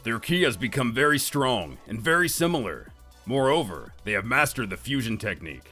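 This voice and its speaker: A man voicing a grave, wary warrior who speaks seriously, with a gravelly, husky voice. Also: medium pitch, very animated, pushed and bright, soft background music. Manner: serious, measured explaining. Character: grave, wary male warrior, low and watchful.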